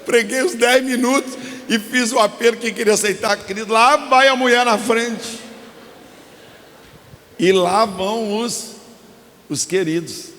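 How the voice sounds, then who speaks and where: An older man from Brazil with a Minas Gerais accent, a pastor telling a story in a sermon, animated and acting out voices. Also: high-pitched. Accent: Minas Gerais Portuguese. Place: large church hall. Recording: long hall reverb.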